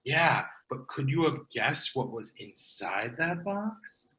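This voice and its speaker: A man playing a disheveled, introverted gay man in his thirties at a comedy table read, earnest and excitable. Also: medium pitch, slow pace, heavily acted, poor audio. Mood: eager, insistent.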